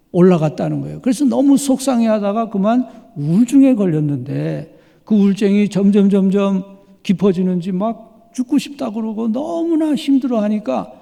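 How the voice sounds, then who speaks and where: A middle-aged man preaching a sermon as pastor, earnest and measured, with dramatic pauses. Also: high-pitched, creaky, dark tone. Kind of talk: sermon with illustrations. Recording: long hall reverb.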